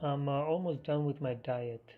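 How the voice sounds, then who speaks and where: A man hosting a live trading stream, half losing his voice, talking through the market in a halting, think-aloud way. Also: medium pitch. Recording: muffled stream audio with faint music.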